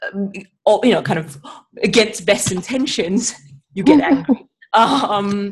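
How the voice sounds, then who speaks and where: A woman speaks very slowly at a medium pitch, her voice somewhat breathy. Her intonation is lively. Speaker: webinar host. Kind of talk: webinar moderation, casual. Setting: video call.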